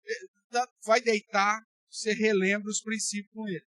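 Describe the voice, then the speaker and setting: A man's voice: high-pitched, fairly even intonation, normal speed, sharp tone, no room sound. A man with a Brazilian Portuguese accent, a pastor giving an emphatic, colloquial sermon and speaking bluntly to his listeners. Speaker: pastor teaching a Bible study.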